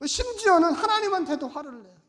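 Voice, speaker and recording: A man preaching a sermon as pastor, emphatic, repeating rhetorical questions and swinging between loud and soft delivery. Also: very high voice, lively intonation, quick pace. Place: church sanctuary. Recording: long church reverb.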